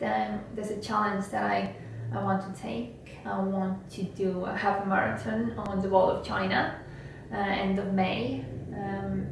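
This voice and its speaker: A woman who grew up speaking Estonian talks in an earnest, motivational way, keeping her pitch notably level and flat. She sounds set back from the microphone in a very echoey room. A faint hiss of noise sits underneath. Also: gravelly, distant mic. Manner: earnest, motivational, steady and even. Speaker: guest. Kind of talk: interview conversation.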